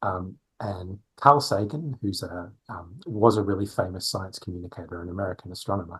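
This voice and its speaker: Speaking at a fairly quick pace with a slight Australian accent, this voice shows big swings in loudness and ordinary pitch variation. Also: man, fairly low pitch for a man. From Australia (Bendigo, Victoria). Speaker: astronomer. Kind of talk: podcast interview. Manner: hesitant, many fillers.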